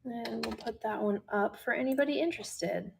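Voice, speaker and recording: A woman's voice: fairly high pitch, normal speed, creaky, slight background noise. A woman with a Midwestern American accent hosting a casual livestream jewelry sale, chatting to herself as she lists items. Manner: chatty, talks to herself while listing items.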